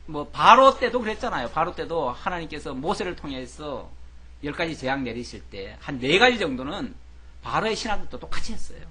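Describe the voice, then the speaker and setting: A male pastor delivers a Bible sermon with a high, bright voice that swings widely in pitch. His tone is a little husky, and he keeps it conversational, posing rhetorical questions and telling stories to make his points. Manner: tells anecdotes to illustrate points.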